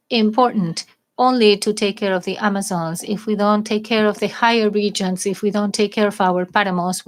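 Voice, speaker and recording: Woman, average pitch, live interpreting, formal speech, measured halting phrasing.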